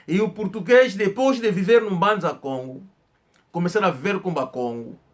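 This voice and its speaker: Um homem que conta história num tom informal, falando de forma enfática, com repetições e hesitações. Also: male voice, on the high side. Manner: slow, emphatic storytelling with hesitations and repetitions. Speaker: channel host. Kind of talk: informal history talk.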